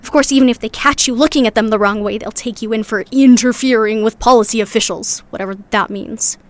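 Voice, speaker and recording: A woman's voice: a little high, a little fast, no room sound, close to an everyday voice. A woman playing a weary, loyal member of a sci-fi underground community in an audio drama, speaking in a reflective, earnest way. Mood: weary, resigned.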